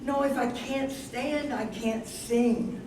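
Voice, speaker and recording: A woman's voice: high voice, steady tone, takes it slowly. A woman playing an aging, wistful wife who is losing her memory, in a staged reading. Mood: frustrated, lost. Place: live staged reading in an echoey room. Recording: roomy, distant stage recording with noise.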